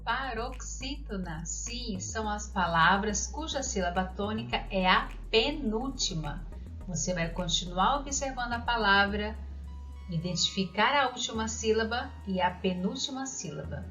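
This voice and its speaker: A woman with a mid-range, somewhat bright, animated voice teaches children a grammar lesson. She goes slowly and deliberately, reading out and spelling example words and asking questions. The audio is dull and lo-fi, with faint music behind.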